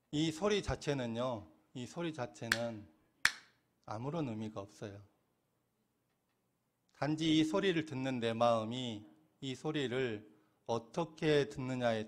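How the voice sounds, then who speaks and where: Male minister, middle-aged, mid-pitched. Delivers a questioning, conversational sermon. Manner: asks questions and answers them himself, laughing now and then. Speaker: Won Buddhist minister.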